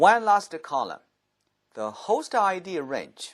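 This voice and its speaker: A strong Chinese accent over a quiet background. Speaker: tech tutorial creator. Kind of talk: tutorial.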